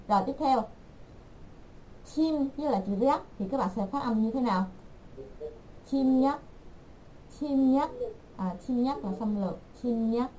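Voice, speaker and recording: A woman teaching an online language class, repeating words slowly and patiently for her learners. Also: fairly high pitch, mellow, a little hiss or hum, poor audio.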